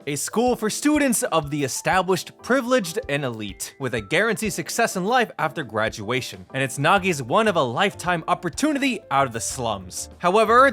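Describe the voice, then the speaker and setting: A man narrating a scripted review of visual novels with expressive, emphatic delivery. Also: a little high.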